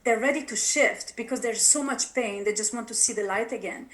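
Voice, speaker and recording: Bright-voiced Italian-accented woman. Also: fairly high pitch, fast talker. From Italy. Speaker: guest, transformational life coach. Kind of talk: conversational interview answers.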